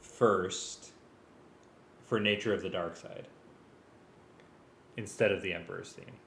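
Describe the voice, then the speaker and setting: A man with a lowish voice talks through work casually, pausing as he thinks aloud. His manner is hesitant. The room is echoey, with a little noise behind him. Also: steady tone, creaky, a bit bright. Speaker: music arranger rehearsing for a live script reading. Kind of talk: casual working discussion.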